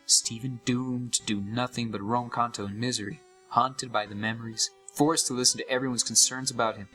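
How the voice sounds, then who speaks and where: A man's voice: mid-range voice, steady tone, a little fast, bright, forceful tone, faint music behind, close to an everyday voice, rough recording. A young man playing an uneasy gamer who narrates a scripted horror story with dramatic, suspenseful delivery. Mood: uneasy, reflective. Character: uneasy young male gamer recounting a haunted game.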